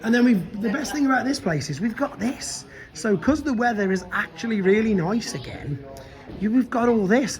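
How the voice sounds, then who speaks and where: A man chatting casually as he films a walk-around vlog of a convention venue, rambling with many restarts and losing his voice. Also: high voice. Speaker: toy vlogger.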